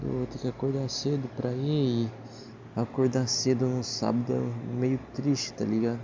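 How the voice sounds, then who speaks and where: Amid noticeable background noise, a man speaks fairly slowly in a flat monotone. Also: medium pitch for a man. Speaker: amateur podcaster. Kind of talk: casual monologue. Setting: bedroom at night, phone recording. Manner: soft-spoken. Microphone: phone mic, muffled.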